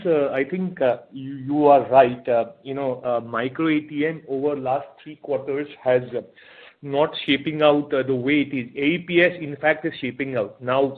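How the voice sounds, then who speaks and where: A man with an Indian accent answering questions as an executive on an earnings call, speaking haltingly and repeating his phrases. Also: a little high. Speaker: company executive answering analysts. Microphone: telephone conference call. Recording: narrow, tinny phone conference line.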